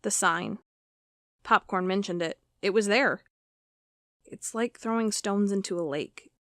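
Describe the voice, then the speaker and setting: An actress playing an uneasy, dogged FBI agent dictating case notes in an audio drama, halting and conversational. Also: female voice, mid-range voice, fairly bright tone, no echo, studio quality. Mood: troubled, searching. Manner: halting, conversational, self-correcting. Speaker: FBI records agent character. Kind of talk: audio drama monologue, spoken like a recorded log.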